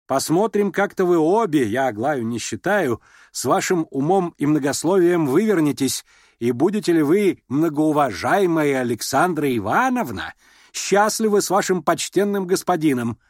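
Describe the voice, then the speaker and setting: A man voicing an imperious, sharp-tongued middle-aged noblewoman and mother, scolding and abrupt, in an audiobook. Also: a little high, animated, normal speed, no room sound, studio quality, voice pushed up. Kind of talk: audiobook character reading.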